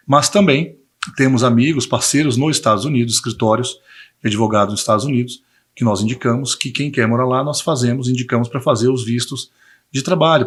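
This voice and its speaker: A man in his forties from Bahia, with a Brazilian accent and a husky voice, answering conversationally as an interview guest and often adding tag questions. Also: mid-range voice. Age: 40s. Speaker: interview guest, visa consultancy owner.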